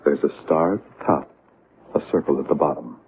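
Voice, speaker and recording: Calm american hypnotist doctor, low voice, old tinny radio play. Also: male voice, a little fast, a little hiss or hum. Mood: soothing, hypnotic. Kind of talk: 1970s radio drama acting.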